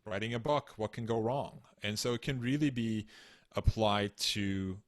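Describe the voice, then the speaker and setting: A man in his thirties from Turkey, explaining ideas in measured, earnest interview answers over a video call. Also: fairly low pitch. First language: Turkish. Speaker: guest author. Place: home room, indoors. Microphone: studio mic on stand, video call.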